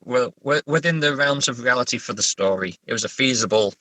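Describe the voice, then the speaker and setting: This guest writer, a middle-aged man, talks briskly about his own story during a casual interview. His medium-pitched voice is pushed and bright, and he's hesitant, self-deprecating, and prone to stammering. The recording is dry and low in quality.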